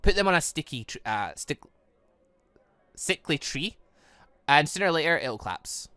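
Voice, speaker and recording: Male gaming host, lively swooping delivery, slightly high voice, close dry sound, trips over words. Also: moderate pace, no room sound. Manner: stumbles over words and corrects himself. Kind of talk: visual novel read-aloud with off-the-cuff commentary.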